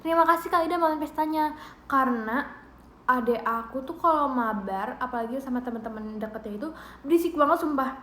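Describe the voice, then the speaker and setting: Young woman, high bright voice, playful giggly live-stream chat, roomy echo on a phone mic. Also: brisk, slight background noise. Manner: playful, giggly, thanks viewers. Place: room at home. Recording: roomy echo of a small room.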